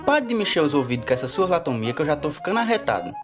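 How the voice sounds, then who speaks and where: A cocky, scheming bakery hand played by a man with a Northeastern Brazilian accent. His fairly high voice swings up and down, brash and scolding in radio soap style, with music clearly underneath. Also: big pitch swings, very fast. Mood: exasperated, scolding. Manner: brash, exasperated, colloquial. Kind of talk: radio soap opera acting.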